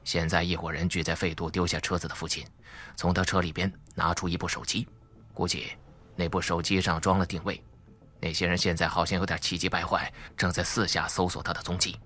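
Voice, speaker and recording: Man acting a low, subdued henchman. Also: little pitch movement, fairly quick, pushed and bright. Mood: guarded, reporting. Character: subdued, dutiful male henchman reporting to his boss. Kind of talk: audiobook character acting.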